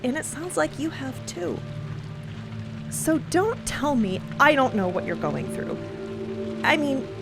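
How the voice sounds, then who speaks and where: A woman's voice: medium pitch, gravelly. An actress playing an earnest, loyal, teasing young woman friend in an audio drama, speaking casually and with feeling. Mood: earnest pleading. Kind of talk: dramatic audio fiction acting, conversational. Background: music and rain sounds.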